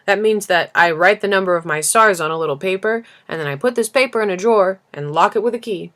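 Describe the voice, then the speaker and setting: A woman voicing a peevish, self-important businessman in a storybook, brisk and insistent in manner. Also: medium pitch, a bit bright, natural voice. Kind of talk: storybook character reading.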